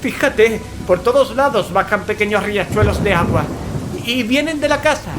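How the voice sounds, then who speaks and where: A man's voice: high-pitched, animated, moderate pace, noisy background. An actor from playing a fearful male paranormal investigator, telling horror in an anxious, ornate, dramatic way. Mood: panicked. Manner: anxious, ornate, dread-laden delivery. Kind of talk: dramatic first-person horror narration and radio-play dialogue. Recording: dramatic music, rain and thunder behind. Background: music, rain, thunder.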